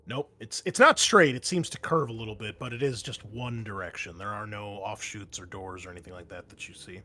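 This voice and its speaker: Male game master narrating, halting and conversational. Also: on the low side, bright, forceful tone. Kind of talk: improvised tabletop game narration.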